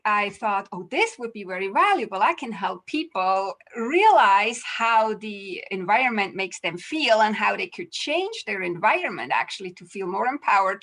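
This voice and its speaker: Swiss woman, chatty clutter coach, high voice. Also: a bit bright. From Switzerland. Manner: chatty, laughs often, many restarts. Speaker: clutter clearing coach, guest. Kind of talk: casual interview talk.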